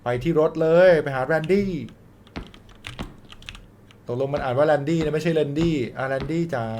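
A man's voice: a little high, darkish tone, a little hiss or hum. A man commenting on a horror video game in a joking, crude way, reading the characters' lines aloud and yelping when startled. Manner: jokey, crude, reads out in-game dialogue, yelps when startled. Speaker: gaming YouTuber.

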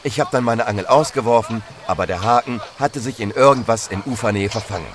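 An actor as a male amateur angler, a shaken witness in a crime radio play. He talks bluntly and colloquially in a medium-pitched voice, with clear outdoor noise behind. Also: brisk, natural voice. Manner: plain-spoken, colloquial. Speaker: actor in a crime audio drama.

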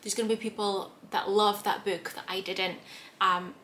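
Young woman, bright voice, a bit hoarse, rambly book chat in a little room with faint hiss. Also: medium pitch, flat delivery, moderate pace. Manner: chatty, rambling, many fillers and restarts. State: slightly hoarse, clearing throat. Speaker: book vlogger. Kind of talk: casual chat to camera. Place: small room with bookshelves, indoors.

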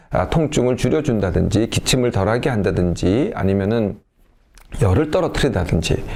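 An older male doctor giving health advice to parents. He explains calmly and deliberately, often stopping to affirm himself and putting rhetorical questions to his listeners. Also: mid-range voice, slight background noise. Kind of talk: talk to parents on a health channel.

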